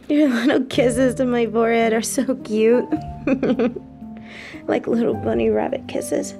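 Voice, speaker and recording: Woman playing a female mafia boss, slow delivery, dangerous yet devoted, intimate audio drama, music underneath. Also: a little high, steady tone, gravelly. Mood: tender, soft. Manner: swings between cold threats and tender pleading. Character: menacing, possessive female mafia boss, doting girlfriend. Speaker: voice actor in audio roleplay. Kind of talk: intimate scripted girlfriend audio roleplay. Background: background music.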